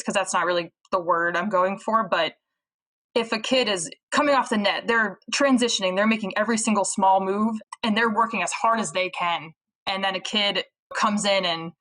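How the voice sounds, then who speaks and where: A young woman with a bright, lively tone talks through coaching ideas in an easy, chatty way. Her speech is full of "like" and little asides, as casual podcast talk. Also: medium pitch, rough recording. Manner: chatty, many "like" fillers, acts out quotes. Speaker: college volleyball coach.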